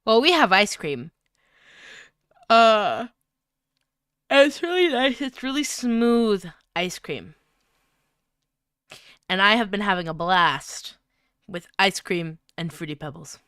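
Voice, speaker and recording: A woman's voice: medium pitch, animated, slow, long pauses, a bit bright, smooth, dry recording, clean studio sound. A woman hosting a livestream, chatting casually in a playful, talkative manner. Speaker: livestream host.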